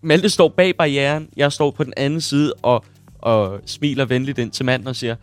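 A man's voice: medium pitch, steady tone, clean tone, faint music behind. A man co-hosting a podcast, telling a shop story in casual chat and laughing often. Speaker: podcast co-host.

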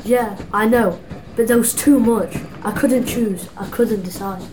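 A woman's voice: on the high side, unhurried, natural voice, rough recording. A young woman playing a cocky, stubborn male jewel thief in an amateur audio drama. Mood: eager, defensive.

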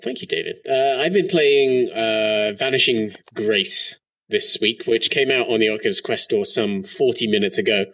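A man's voice: fairly low pitch, normal speed, a bit bright, dry recording, recorded from a distance. A man co-hosting a casual podcast chat through a muffled mic that sounds like a tin can, with lots of "like" fillers. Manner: chatty, many "like" fillers. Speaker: co-host.

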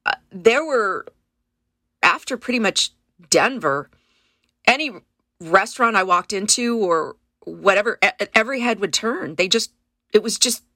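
Looking back on her life in an interview, this earnest Californian guest in her fifties, Spanish being her first language, keeps restarting her sentences. She speaks a little slowly in an animated, sharp, mid-range voice, recorded with clean studio sound and no echo.

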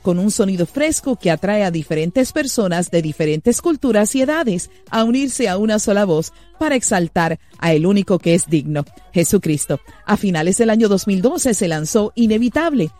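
A woman's voice: medium pitch, animated, normal speed, few pauses, dark tone, dry recording. A woman hosting a Christian music program, reading a scripted guest introduction in an earnest, devotional manner. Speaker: radio host. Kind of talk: scripted introduction then interview.

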